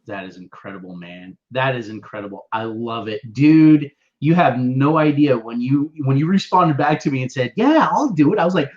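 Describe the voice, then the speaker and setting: A man hosting and producing an interview show, talking in an excitable, playful way. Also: normal speed, few pauses. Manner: excitable, playful, jumps up and down in pitch. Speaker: podcast host and producer. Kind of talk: casual interview chat. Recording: slightly dull lo-fi sound.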